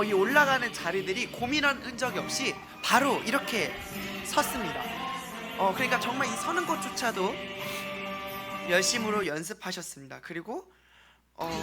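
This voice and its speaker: A man from South Korea presenting an earnest mission-trip testimony to a congregation as a church member, speaking haltingly with pauses. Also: high voice.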